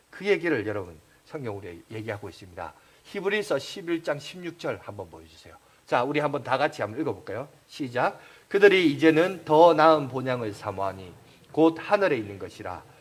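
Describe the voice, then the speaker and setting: A man with a fairly high pitch at a fairly quick pace, with very wide pitch swings and big swings in loudness. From South Korea, Gyeongsangbuk-do (Uiseong). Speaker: pastor. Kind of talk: sermon.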